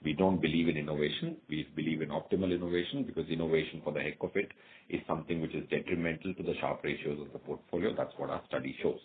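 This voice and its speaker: Fast-talking Indian man on a conference line. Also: rumbling low, steady tone. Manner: rambling, repeats phrases, switches between English and Hindi. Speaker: company executive answering investor questions. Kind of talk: spoken answers on an earnings call. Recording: narrow-band conference call audio.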